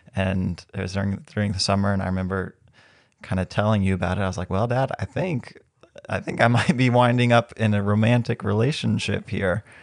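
A man talks at a fairly quick pace with fairly even intonation and a fairly low pitch. His is an unremarkable speaking voice. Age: 20s. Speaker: podcast co-host. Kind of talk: casual chat.

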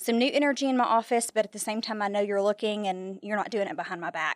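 In a Tennessee accent, a woman talks at a very fast pace with a fairly high pitch and ordinary pitch variation. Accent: US Southern (Tennessee). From Memphis, Tennessee. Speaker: accounting firm staff member. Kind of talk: casual interview.

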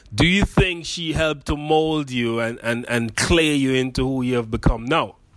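A man with a medium pitch and ordinary pitch variation talks at a moderate pace in a plain, everyday voice. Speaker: podcast host. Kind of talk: interview.

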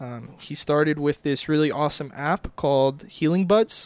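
In a dry, close recording with no echo, a man with an American accent uses an ordinary speaking voice, fairly high in pitch with ordinary pitch variation. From Florida. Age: 20s. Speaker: cannabis grower. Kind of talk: casual chat. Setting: dispensary.

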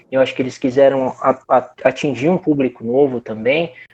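A man speaks in an unremarkable speaking voice. His pitch is medium and his intonation fairly even. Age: 30s. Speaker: rock band vocalist and gamer. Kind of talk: casual chat.

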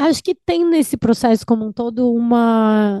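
A woman speaks in a dark, mellow tone. The sound is dry and close, with no echo. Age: 30s. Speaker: singer-songwriter. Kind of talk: casual chat.

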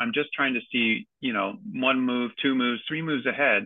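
A man with an unremarkable speaking voice at medium pitch, moderate pace and ordinary pitch variation. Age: 50s. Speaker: emergency physician and adult chess improver. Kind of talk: casual chat.

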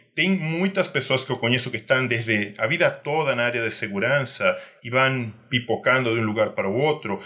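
Bright and sharp in tone, a man with an Argentine accent speaks at a moderate pace in a medium pitch with lively intonation. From Argentina. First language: Spanish (speaking Portuguese). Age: 40s. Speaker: security industry executive. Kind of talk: podcast interview.

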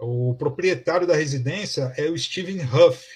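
Fairly high in pitch and somewhat breathy, a man's voice shows ordinary pitch variation. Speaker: YouTube live streamer. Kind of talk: live stream monologue. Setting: home live stream with microphone. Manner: casual, with many fillers.

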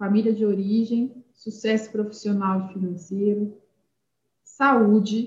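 At a fairly slow pace, a woman with a medium pitch speaks in a somewhat breathy voice. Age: 50s. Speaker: family constellation therapist. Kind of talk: casual interview chat.

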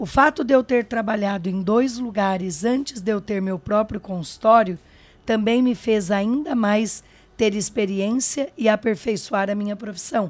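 At a fairly slow pace, a woman with an ordinary speaking voice talks at a fairly high pitch with ordinary pitch variation, in a very clean recording with a silent background. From interior of São Paulo state, Brazil. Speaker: dentist and entrepreneur. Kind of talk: interview.

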